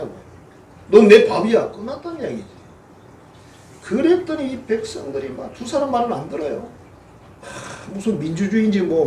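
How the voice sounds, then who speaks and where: A Gyeongsang Korean pastor preaches in an echoey church sanctuary, his male voice sitting high, gravelly and warm. He's folksy and humorous, acting out the voices he quotes, while the distant mic catches a bit of hiss or hum.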